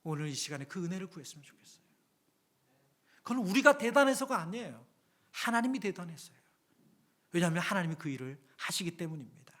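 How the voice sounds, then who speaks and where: A male pastor giving a Friday evening sermon in a church, talking conversationally, acting out everyday scenes, and swinging between loud exclamations and hushed whispers. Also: high-pitched, very animated, quick pace, long pauses. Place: church sanctuary.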